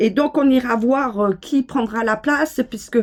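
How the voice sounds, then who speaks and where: A woman speaks at a very slow pace in a high voice, with ordinary pitch variation. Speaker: psychic medium, channel host. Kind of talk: psychic predictions monologue. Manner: hesitant, many filler sounds.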